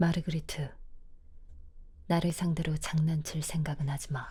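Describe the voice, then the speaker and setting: A woman's very deep, low voice, somewhat breathy, dark and mellow, calm in tone, at a fairly slow pace. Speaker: audiobook narrator. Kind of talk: bedtime audiobook reading. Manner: calm, soft-spoken.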